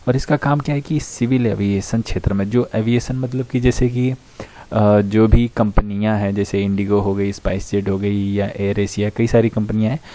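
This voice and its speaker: An Indian man, an online educator, gives students an informal explainer about job vacancies, going through a notice point by point. His voice is on the low side and dark in tone, with fairly even intonation and a moderate pace. He talks conversationally, dropping in frequent short check-in tags.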